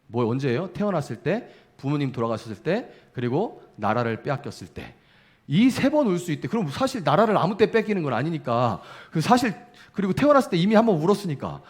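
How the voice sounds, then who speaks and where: Lively Korean pastor preaching a sermon. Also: male voice, fairly quick. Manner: lively, acts out quoted speech in shifting voices; drops to a soft low voice when speaking gently.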